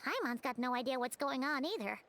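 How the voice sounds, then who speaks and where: A woman voicing a small, excitable, childlike fairy companion in a video game, chirpy and expressive, speaking of herself by name. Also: high-pitched, brisk. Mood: confused. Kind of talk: video game character acting.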